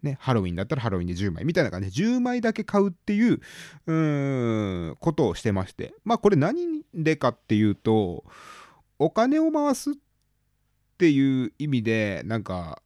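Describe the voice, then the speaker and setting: Man, 30s, casual solo chat, rambling with fillers, very animated pitch, dry voice. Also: normal speed, no echo. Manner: rambling, chatty, with hesitant fillers; bursts into exaggerated exclamations. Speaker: podcast host.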